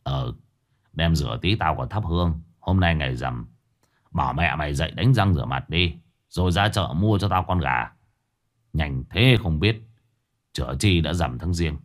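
A man's voice: a bass voice, lively intonation, moderate pace, pitched below the performer's own voice. A man voicing a crude, violent village husband who scolds and threatens his wife. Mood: gruff.

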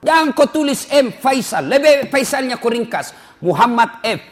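Animated high-voiced male preacher. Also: normal speed. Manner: animated, joking, addresses listeners directly. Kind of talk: humorous sermon to a congregation.

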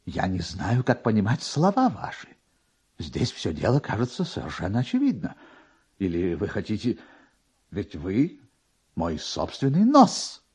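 Man as a flustered, husky, halting major. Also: on the low side, huge pitch swings, darkish tone, heavily acted. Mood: strained dignity. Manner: halting, deferential, groping for words. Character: flustered, timid, self-important male major missing his nose. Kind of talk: dramatic literary reading.

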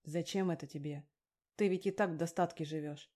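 A woman voicing a tough, wounded male gangster who speaks in curt, gruff lines in an audiobook. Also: low-pitched, steady tone, fairly quick, dark tone. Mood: cold.

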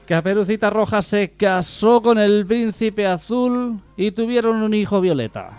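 Deadpan man radio host. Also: high-pitched, unhurried. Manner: dry, deadpan punchlines and short comments. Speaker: radio humor show co-host. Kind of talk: joke telling on community radio. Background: clear music bed.

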